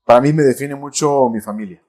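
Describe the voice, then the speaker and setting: A man's voice: mid-range voice, animated, a little fast, vocal fry, darkish tone. A man, a Catholic priest, talking reflectively in a casual interview with many restarts and a habit of tagging "¿no?". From Mexico. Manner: reflective, frequent tag "¿no?" and restarts.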